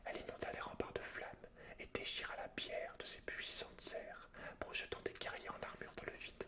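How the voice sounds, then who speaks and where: A man reading game lore in a soft, hushed, breathy whisper, as the host of an ASMR gaming video. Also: normal speed.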